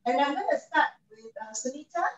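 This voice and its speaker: Malaysian woman in her forties, high voice, persuasive host, echoey distant webcam sound, muffled. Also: lively intonation, fairly quick. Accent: Malaysian English. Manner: chatty, persuasive, checks in with "okay?" and "right?". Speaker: cooking show host and product advisor. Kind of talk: product presentation to an online audience. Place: home kitchen, indoors.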